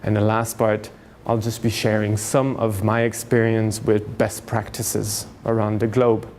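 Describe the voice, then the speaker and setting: Halting male lecturer with background noise. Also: fairly low pitch, flat delivery, darkish tone. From France, grew up in Canada. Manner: hesitant, halting, explanatory. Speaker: university lecturer. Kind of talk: seminar lecture, informal introduction.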